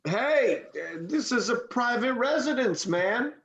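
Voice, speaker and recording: Woman as a slow-drawling male slacker stoner. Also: on the high side, lively intonation. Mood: laid-back. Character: laid-back, bewildered male slacker stoner. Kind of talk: amateur virtual table read.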